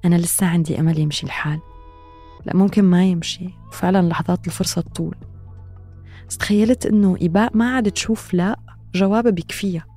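A woman's voice: lowish voice, fast talker, mellow, soft background music. A woman with a Levantine Arabic accent, hosting a podcast and narrating in a reflective, introspective way. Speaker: podcast host. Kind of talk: scripted narration.

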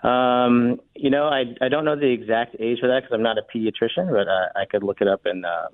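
A man who is an emergency room doctor, calling into a radio show and explaining things in a calm, plain manner. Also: mid-range voice, a little fast. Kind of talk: phone-in interview. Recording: tinny phone line.

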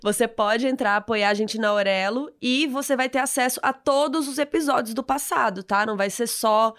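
A woman's voice: fairly high pitch, normal speed, fairly bright tone. A woman with a Brazilian Portuguese accent co-hosting a podcast in casual, upbeat chat, laughing easily. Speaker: podcast co-host.

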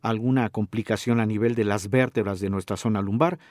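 A middle-aged man with a Mexican accent hosting a health talk show as a doctor, explaining calmly and asking the listener questions. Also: fairly low pitch, brisk, no room sound, studio quality. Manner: didactic, addresses listener directly with questions. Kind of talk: informative radio talk.

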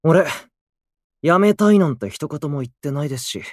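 An actor playing a gloomy, prickly, self-deprecating young station worker in a voice drama, with blunt, grumbling delivery. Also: male voice, fairly high pitch, animated, normal speed, dry recording, studio quality. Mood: defiant. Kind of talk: Japanese voice drama acting.

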